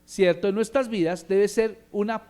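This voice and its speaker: A man's voice: high-pitched, steady tone, normal speed, darkish tone. A male pastor with a Colombian accent, preaching emphatically and calling on the congregation to respond. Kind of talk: sermon.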